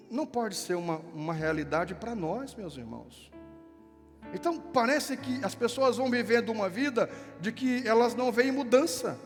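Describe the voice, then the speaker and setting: A man's voice: high voice, big-room sound. A male pastor with a southern Brazilian accent preaching a sermon in a conversational, storytelling manner, acting out the dialogue. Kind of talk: sermon with anecdotes. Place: church.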